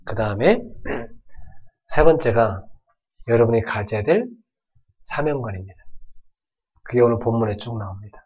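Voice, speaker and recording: A man's voice: mid-range voice, a little slow, long pauses, husky, muffled recording. A man preaching a sermon as pastor, earnest, acting out prayers and building to fervent exhortation. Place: church sanctuary.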